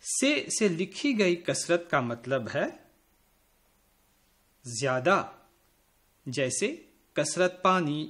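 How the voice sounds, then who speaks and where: Lively, higher-voiced man teaching children. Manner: slow, careful spelling out of letters; addresses pupils directly and kindly. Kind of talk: school lesson for children.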